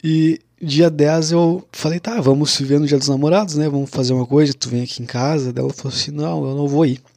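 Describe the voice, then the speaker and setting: A man's voice: fairly high pitch, steady tone, quick pace, darkish tone, dry recording. A young man tells a personal story in a casual, confessional way. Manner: casual, confessional, with frequent "cara" and "né".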